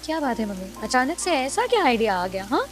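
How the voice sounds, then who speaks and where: A woman voicing an eager, excitable young daughter in an animated story. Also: high voice, fairly quick, faint music behind. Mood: puzzled. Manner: eager, exclamatory.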